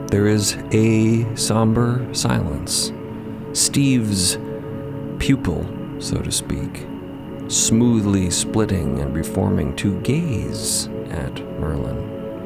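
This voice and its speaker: Deep, gravelly, slow male narrator. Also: expressive, loud music behind the voice. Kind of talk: scripted audio drama narration.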